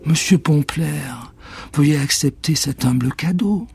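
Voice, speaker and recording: A man's voice: a little high, a little slow, creaky, music in the background, voice pushed up. Man doing a fussy bumbling witch. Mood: polite. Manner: polite, fussy, chanting spells. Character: flustered, bumbling good-hearted witch.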